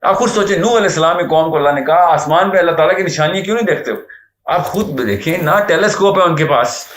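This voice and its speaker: Earnest guy lecturing on a talk show, slightly high voice, roomy echo. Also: a bit bright. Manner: earnest, lecturing, mixes English words. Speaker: guest speaker. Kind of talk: Islamic talk show discussion.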